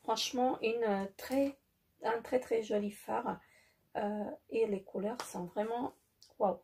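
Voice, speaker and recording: Presenting her makeup haul, this beauty vlogger sounds hesitant, filling pauses and praising items again and again with "très joli" while apologizing for her English. She speaks slowly in a fairly high, husky, darkish voice with fairly even intonation.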